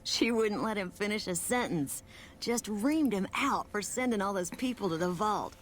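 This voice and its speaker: A woman's voice: medium pitch, animated, normal speed, a little hiss or hum, lightly acted. A woman voicing a friendly, frank female character in a video game, chatty and direct.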